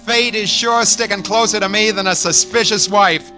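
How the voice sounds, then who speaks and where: A man's voice: high voice, steady tone, normal speed, bright, forceful tone. An actor playing a nervous, scheming man who narrates his own story in tense, hard-boiled style in a 1940s radio drama. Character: nervous scheming man posing as someone else. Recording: old radio broadcast with music.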